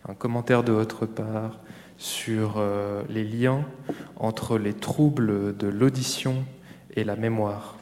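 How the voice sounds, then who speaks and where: A man passes on questions from the audience in a lecture hall, halting and filling pauses as he goes. He speaks slowly in a lowish voice, with the hall's long reverb behind him. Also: steady tone, a little mellow, slight background noise. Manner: halting, many fillers. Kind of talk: relaying questions at a public lecture.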